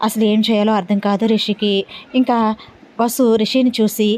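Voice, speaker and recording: A woman's voice: mid-range voice, steady tone, moderate pace, a little mellow. A woman steadily narrating a fan story she wrote herself. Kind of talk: reading a self-written fan story.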